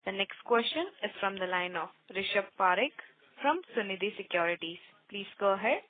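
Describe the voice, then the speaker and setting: A woman's voice: mid-range voice, moderate pace, no echo. A woman making formal, scripted announcements as a conference call operator. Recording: dry narrow phone line.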